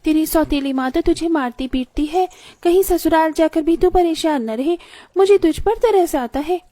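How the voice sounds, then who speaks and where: A woman's voice: very high-pitched, normal speed, mellow, no echo. Woman voicing a nosy gossiping neighbor girl. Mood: gossipy. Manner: chattering, mock-pitying.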